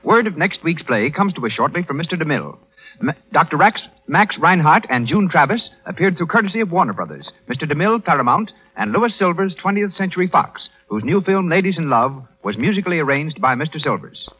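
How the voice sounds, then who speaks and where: A man's voice: fairly high pitch, very animated, brisk. A man announcing in a formal broadcast style, heard as an old radio show broadcast. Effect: old radio show broadcast sound. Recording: dull lo-fi 1930s radio broadcast.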